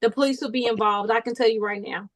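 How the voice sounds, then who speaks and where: Higher-voiced woman asking blunt questions. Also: steady tone, fast, no room sound. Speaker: podcast co-host. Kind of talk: casual game questions.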